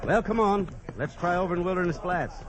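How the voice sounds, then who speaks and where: A man's voice: sits high, brisk, noisy background, natural voice. A man narrating and playing the cowboy hero of an old radio western, in an easygoing, plain-spoken way. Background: music.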